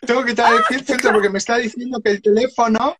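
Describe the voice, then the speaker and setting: A man from the Basque Country with a notably high voice, chatting camply over a phone video call. He gushes and trails off mid-sentence, calling his guest darling at every turn. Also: fairly even intonation, fast, heavy background noise. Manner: campy, chatty, lots of terms of endearment. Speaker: host of a drag chat show. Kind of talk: camp casual video chat. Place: indoor room with clothes rack.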